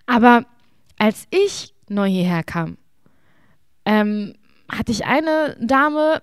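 A young woman who grew up speaking Arabic talks earnestly and with emphasis in a casual conversation. She often pauses to search for the right word. The recording is close and dry. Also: fairly high pitch, animated, clear, resonant tone, dry recording.

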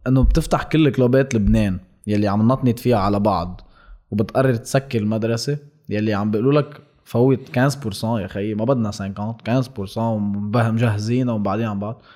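A man's voice: lowish voice, fast talker, mellow. A man with a Lebanese Arabic accent chatting casually, telling anecdotes and throwing in rhetorical questions.

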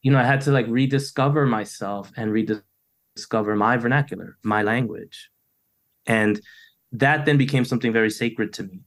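Speaking at a moderate pace in a medium-pitched voice, a middle-aged poet from the United States answers questions reflectively as an interview guest on a video call. His talk flows loosely, peppered with "you know" and fresh starts.

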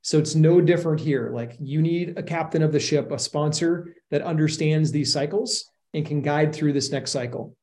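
A man's voice: on the high side, normal speed, hardly any pauses, darkish tone. Earnest man explaining investing. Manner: earnest, explains with analogies and worst-case caution. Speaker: real estate investor, guest. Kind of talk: casual podcast conversation.

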